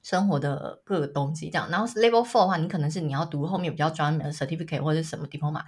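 Husky-voiced chatty Taiwanese woman. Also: low voice, rapid-fire. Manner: chatty storyteller, laughs often. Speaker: podcast co-host. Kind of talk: casual chat.

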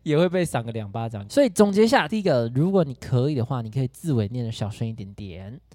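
A man's voice: medium pitch, lively intonation, fast talker, mellow, dry recording, clean studio sound. A man co-hosting a casual podcast chat, playful and exaggerated in how he talks. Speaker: podcast co-host.

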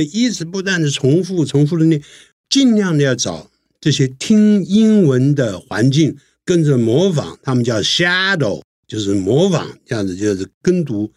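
A man's voice: mid-range voice, darkish tone, no echo, clean studio sound. An older man teaching English pronunciation in casual chat, spelling words out and giving examples.

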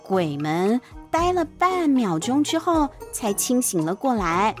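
A woman with a Taiwanese Mandarin accent, hosting and narrating children's bedtime stories in an expressive, chatty way with explanatory asides. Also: on the high side, slow, faint music behind. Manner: expressive, chatty explaining with sentence-end particles. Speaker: podcast host and storyteller, a mother.

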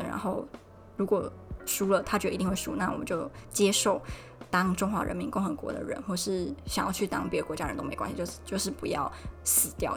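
A young woman from Taiwan, in Poland, hosts a casual solo podcast in a lowish, creaky voice. She's chatty and retells conversations, acting out the quoted dialogue in animated voices.

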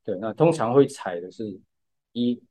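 A man's voice: medium pitch, animated, moderate pace, warm tone. A man, patiently explaining music in a casual podcast chat and using lots of fillers. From Taiwan. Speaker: podcast co-host.

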